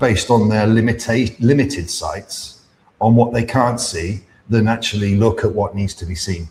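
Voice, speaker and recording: Medium-pitched speech from a man with a slight West Country accent, somewhat breathy, with fairly even intonation at a moderate pace. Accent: slight West Country (Gloucester). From Gloucestershire, England. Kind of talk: casual chat.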